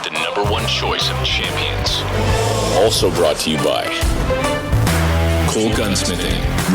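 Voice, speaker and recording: Deep-voiced male announcer over loud guitar. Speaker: show announcer. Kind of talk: scripted promo intro. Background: loud guitar music.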